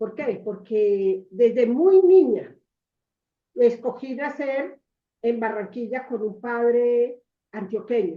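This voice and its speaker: Speaking very slowly, a woman leaves long, frequent pauses. Her high-pitched voice has lively intonation. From Colombia, raised in Medellín (paisa). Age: 60s. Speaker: therapist and spiritual contactee. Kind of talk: interview testimony.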